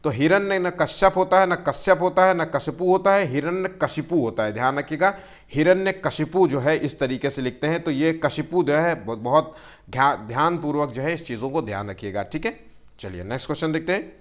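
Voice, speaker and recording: Male grammar tutor, fairly high voice, habitual fillers, stretches words slowly to spell them out, keeps reminding students to take care. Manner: tells students to take care and keeps checking "theek hai". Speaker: teacher. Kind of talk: exam-prep Hindi grammar lesson.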